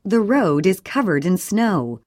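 A woman reading short English sentences slowly and clearly for a listening and repetition drill. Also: mid-range voice, dry recording, clean studio sound. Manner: clear, even, deliberate reading. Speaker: English audio reader.

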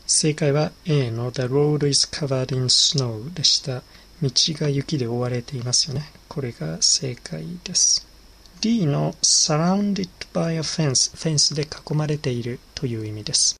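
A teacher runs through the answers of an English listening quiz, talking quickly. The voice is gravelly and husky, with an instructive, matter-of-fact delivery. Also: medium pitch, fairly bright tone.

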